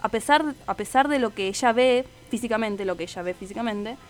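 A woman's voice: a little high, fairly quick, faint music behind. Chatty woman hosting radio. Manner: chatty, many fillers and self-corrections. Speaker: radio show host. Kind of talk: casual radio chat about a TV series.

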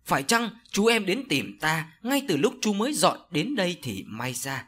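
A man voicing an older village sorcerer who speaks slowly and solemnly in an audio story. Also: high voice, very animated, fairly bright tone. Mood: grave. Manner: slow, solemn, scolding. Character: older male village sorcerer, stern and grave.

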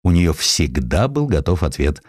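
A man with a very low voice reads literary history aloud. His delivery is dramatic and highly varied in pitch, with the polish of a scripted audiobook. The sound is dry and close. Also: sing-song, normal speed, darkish tone, no room sound. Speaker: audiobook narrator.

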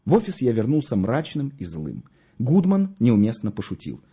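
A man's voice: medium pitch, huge pitch swings, moderate pace, warm tone, breathy edge, muffled recording. A man reading a first-person story aloud in a dry, ironic manner. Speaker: audiobook narrator.

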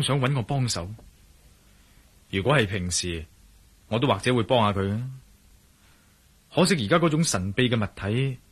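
An actor voicing a calm, curious male investigator in a Cantonese radio drama, speaking in a measured, musing way. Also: medium pitch, breathy edge. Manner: musing inner monologue, measured. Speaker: lead character.

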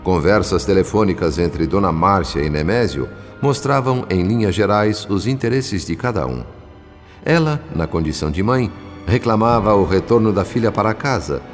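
A man playing the solemn narrator of a Brazilian radio drama, with a Brazilian accent and a formal, literary delivery. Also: deep voice. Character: solemn spirit narrator, grave and literary observer. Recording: long reverb under faint music.

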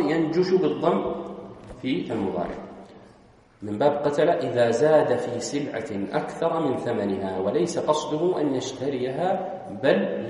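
A man's voice: fairly high pitch, a little mellow. A man teaching Islamic law in a classroom lesson, explaining step by step and quizzing his students with questions. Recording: very echoey hall.

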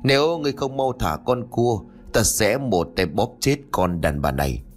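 A man's voice: lowish voice, expressive, normal speed, soft background music. A man voicing a young woman possessed by a spirit, speaking in a haughty, threatening way.

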